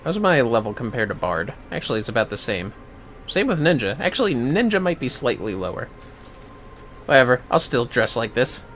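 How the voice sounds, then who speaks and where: A man's voice: mid-range voice, very animated, a little fast, a bit bright, soft background music. A man giving casual, offhand game livestream commentary, muttering asides to himself as he plays. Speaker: game streamer.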